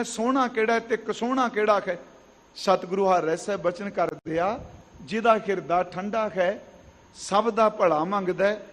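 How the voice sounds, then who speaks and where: A man giving a Sikh katha sermon in an earnest, explanatory way, often asking rhetorical questions. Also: high voice. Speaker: katha preacher. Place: large gurdwara hall. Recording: long hall reverb.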